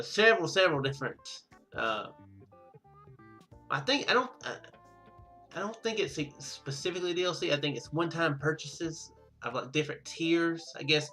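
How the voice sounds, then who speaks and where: Animated higher-voiced man commentating on a game. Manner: rambling, thinking aloud. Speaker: gaming video host. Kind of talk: casual let's play commentary.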